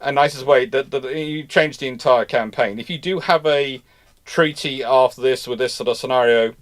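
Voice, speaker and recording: A man hosting an unscripted question-and-answer talk, speaking emphatically but haltingly, doubling back and repeating himself to stress points. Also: medium pitch. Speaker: naval history host answering live questions.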